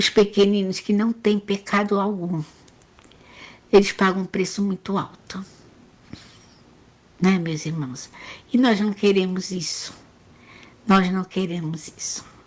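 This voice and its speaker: The speech moves at a fairly slow pace with long, frequent pauses. Intonation stays fairly even. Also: woman, medium pitch for a woman. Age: 60s. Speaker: preacher. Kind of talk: sermon. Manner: halting.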